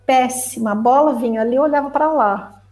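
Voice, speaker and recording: High-voiced lively woman. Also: a little fast, rough recording. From Brazil. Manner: lively and expressive, acts out the inner voice. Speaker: spiritual teacher and therapist. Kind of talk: spiritual talk to viewers.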